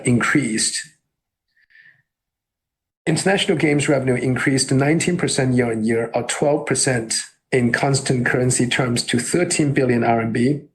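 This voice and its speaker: A man's voice: medium pitch, low-quality recording. Formal man presenting company results. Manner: formal, measured reading of figures. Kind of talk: scripted earnings call presentation.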